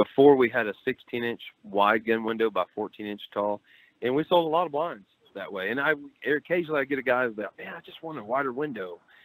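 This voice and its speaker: Speaking in an unremarkable speaking voice, a man keeps a medium pitch. His intonation is lively, and his loudness swings widely. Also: fairly quick pace. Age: 30s. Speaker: blind manufacturer, business owner. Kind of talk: casual interview.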